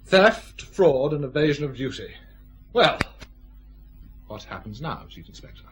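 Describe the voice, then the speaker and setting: A man's voice: medium pitch, big pitch swings, unhurried, noisy background. An actor playing a nervous, sarcastic male whisky thief in a radio drama, with a voice.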